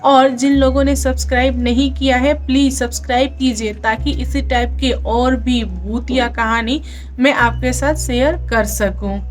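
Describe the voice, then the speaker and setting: A woman's voice: sits high, steady tone, unhurried. A woman telling a village horror story in a chatty, casual way, speaking to listeners as friends. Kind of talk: casual spoken horror narration.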